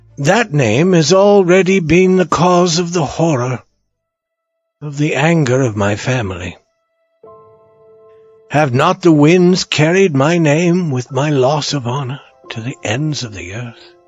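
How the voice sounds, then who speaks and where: Over background music, a man with an American accent speaks in a fairly high pitch at a fairly slow pace, leaving long, frequent pauses. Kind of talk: read story for English learners.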